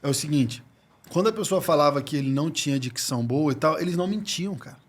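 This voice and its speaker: A Brazilian man co-hosting a comedy podcast, with a slightly higher voice. He speaks in a reflective way and offers encouraging advice in relaxed, casual chat. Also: quick pace, husky. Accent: Brazilian Portuguese. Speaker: podcast co-host.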